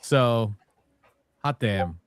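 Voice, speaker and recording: A man's voice: medium pitch, expressive, drawn-out words. A man hosting a casual gaming discussion in an informal, exclamatory way. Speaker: podcast host.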